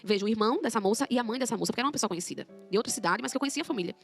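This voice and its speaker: A young woman tells her personal testimony at a rapid clip, voicing her own past words as she goes. Her voice sits a little high and carries a gravelly fry. Faint music plays quietly behind her. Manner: fast, animated storytelling, acting out her own quoted words. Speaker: guest giving a conversion testimony.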